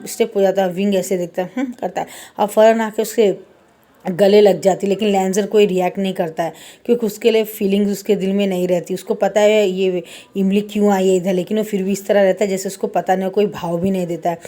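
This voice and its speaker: A woman's voice: medium pitch, fairly even intonation, brisk, warm tone. A woman casually retelling a fan-fiction story in a loose, chatty way, often repeating "he says" between lines.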